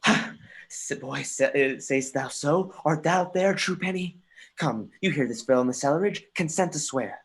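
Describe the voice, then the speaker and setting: Man playing Hamlet, a husky, impassioned young prince. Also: fairly high pitch. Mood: urgent. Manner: impassioned, halting reading with stumbles. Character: young grieving prince, intense, wry, erratic. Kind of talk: Shakespearean verse in a livestreamed dramatic reading. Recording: remote livestream audio.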